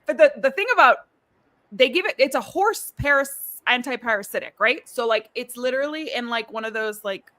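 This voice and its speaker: Bright, chatty woman from Ecuador. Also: fairly high pitch, expressive, a little fast. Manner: chatty, many fillers and asides. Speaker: podcast host. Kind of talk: casual live-stream chat. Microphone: video call.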